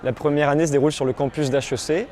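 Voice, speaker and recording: A man with a slightly raised pitch presents his program in a clear, matter-of-fact way. Faint outdoor ambience sits behind his voice. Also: steady tone, quick pace, darkish tone, a little hiss or hum. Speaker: business and public management student. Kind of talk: testimonial interview.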